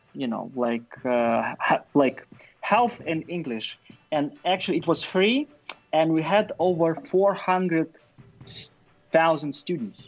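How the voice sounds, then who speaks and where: Music plays in the background while a man speaks at a fairly high pitch with lively intonation. His pace is very slow, with long, frequent pauses. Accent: Russian. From Siberia, Russia. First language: Russian. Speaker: startup founder. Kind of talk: interview. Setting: video call. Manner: halting.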